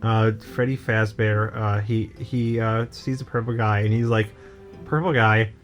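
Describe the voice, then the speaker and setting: Over soft background music, a young co-host with a low, level voice talks at a moderate pace in a casual chat. He stammers and repeats words while rambling through an absurd improvised story full of goofy nonsense humor.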